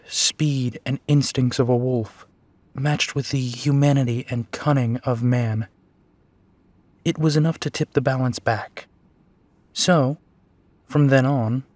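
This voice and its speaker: A man acts out a tender, weary werewolf detective in an intimate audio drama. He speaks slowly and softly in halting phrases, at a middling male pitch. The recording is dry and close, and he sounds protective. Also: dry recording. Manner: soft, halting, sighing delivery. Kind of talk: intimate scripted audio roleplay.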